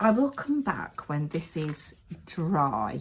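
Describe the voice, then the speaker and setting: Over noticeable background noise, a woman with a fairly low pitch speaks with very wide pitch swings. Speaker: papercraft youtuber. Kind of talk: real-time crafting tutorial. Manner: chatty, rambling with fillers.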